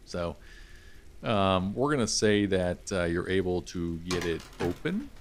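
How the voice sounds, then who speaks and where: A man's voice: low-pitched, big pitch swings, unhurried. A middle-aged man improvising narration as game master of a casual tabletop game, prompting his players in an informal, easygoing way.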